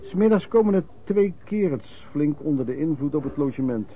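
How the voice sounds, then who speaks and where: An actor playing a rough, hard-drinking vagrant pedlar who reminisces in colloquial, old-fashioned, hesitant anecdotes in a Dutch radio play. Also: male voice, fairly high pitch, expressive, a little fast, slight background noise. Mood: reminiscing. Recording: dull, lo-fi radio play recording.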